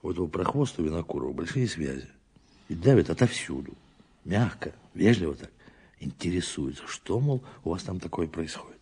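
Male police chief for radio play: low, husky, official, weary and grumbling. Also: very animated, a little fast, a little mellow, full character voice. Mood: weary, needling. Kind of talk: Russian audio drama acting.

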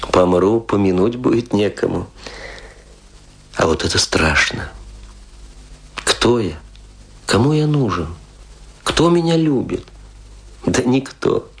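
A husky, brooding, lonely old-school stage actor. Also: male voice, lowish voice, lively intonation, exaggerated voice. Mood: melancholy, self-pitying. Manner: declamatory, brooding, with rhetorical questions and long pauses. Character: lonely, embittered, hard-drinking stage actor, self-pitying and grandiose. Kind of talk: theatrical dramatic monologue, Russian radio play.

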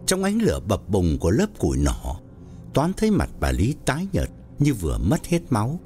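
A man narrating an audio story in a dramatic, expressive way. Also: lowish voice, moderate pace.

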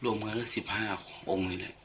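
A man's voice: on the low side, steady tone, quick pace, fairly bright tone, a little hiss or hum. An older man, a monk, giving an informal, chatty sermon full of anecdotes and light humor. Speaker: monk giving a dharma talk.

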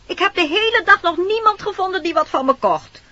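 A woman's voice: very high-pitched, lively intonation, a little fast, pushed and bright, full character voice. An actress in a Dutch radio play voicing a scheming peddler woman who coaxes and wheedles insistently. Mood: wheedling. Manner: wheedling, insistent sales patter. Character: disguised scheming peddler woman, coaxing and sly. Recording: dull noisy old radio recording.

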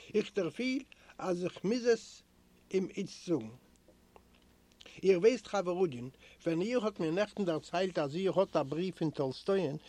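A man reading a prison memoir aloud in a measured, earnest storytelling manner. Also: sits high, dark tone, no room sound. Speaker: reader.

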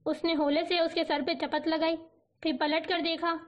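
A woman narrating a novel as an audiobook, with a steady, even storytelling delivery. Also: very high-pitched. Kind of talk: scripted novel reading. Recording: dull lo-fi recording.

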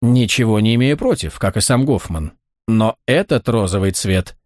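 A man's voice: on the low side, expressive, normal speed, a little mellow, no room sound, clean studio sound, lightly acted. A man voicing a charming, self-assured American male art expert in an audiobook, amused and easy in manner.

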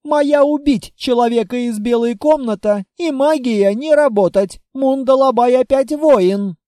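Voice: mid-range voice, measured pace, dark tone, no echo, studio quality, pitched above the performer's own voice, close to an everyday voice. An audiobook reader voicing a naive, proud tribal warrior who talks in broken grammar and refers to himself in the third person. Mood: stubborn.

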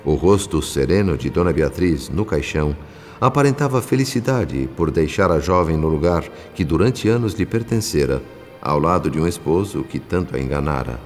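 Deep, reverberant Brazilian narrator. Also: male voice, lively intonation, normal speed, darkish tone, faint music behind. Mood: solemn, reflective. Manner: solemn, formal, literary. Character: earnest, reflective male spirit narrator. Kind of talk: scripted radio drama narration.

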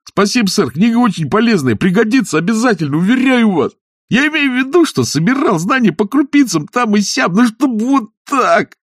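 A man's voice: sits high, a little fast, husky, no echo, studio quality, pitched above the performer's own voice, full character voice. A man voicing an eager, polite young village lad who talks in a breathless rush. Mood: excited. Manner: breathless, excited, overeager.

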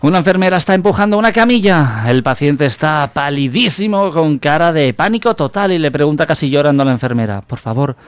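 A man's voice: a little high, lively intonation, quick pace, hardly any pauses, slight background noise. A man hosting a radio comedy show, reading odd news and telling jokes in a dry way. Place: radio studio.

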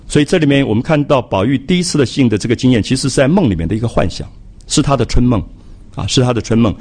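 A man's voice: mid-range voice, expressive, fast, darkish tone. An older man lecturing an audience on a classic novel, speaking in a reflective, conversational way with frequent "ah" fillers and repeated phrases. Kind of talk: public lecture to a live audience.

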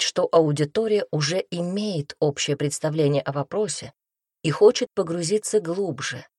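A woman reading a nonfiction book aloud as a narrator, in a measured, even way. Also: deep voice, no echo, studio quality. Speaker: audiobook narrator.

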